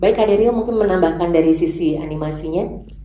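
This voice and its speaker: A woman moderating a press conference, brisk and polite, a bit off the mic in an echoey hall. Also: on the low side, dark tone.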